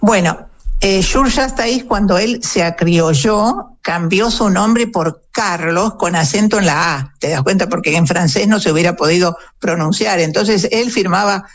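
A woman's voice: fairly low pitch, a little slow. A woman with an Argentine Rioplatense accent, a guest historian and author, explaining eagerly and chattily with plenty of fillers. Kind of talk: conversational interview.

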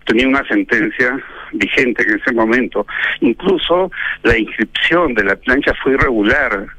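Forceful, dry-voiced male political analyst. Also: mid-range voice, animated, normal speed, no echo, low-quality recording. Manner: emphatic, argumentative, ironic asides. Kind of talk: radio interview commentary.

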